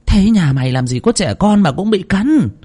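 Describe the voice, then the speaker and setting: A man's voice: high-pitched, expressive, normal speed, warm tone, slightly rough, voice pushed up. A man voicing a fierce, foul-mouthed old village healer woman. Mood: brusque. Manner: scolding, cursing, barking orders.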